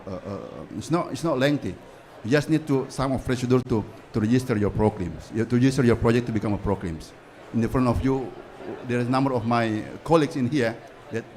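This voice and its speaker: A man with an Indonesian accent answering audience questions on a panel, halting and repeating words often. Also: mid-range voice, a little mellow, slight background noise. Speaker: government panelist. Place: conference pavilion.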